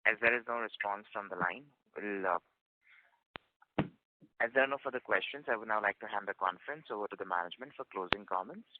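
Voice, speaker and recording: Low-voiced male conference call operator. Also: fast talker, a little hiss or hum. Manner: polite, formal. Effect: conference call phone line. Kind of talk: scripted call moderation. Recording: tinny phone line.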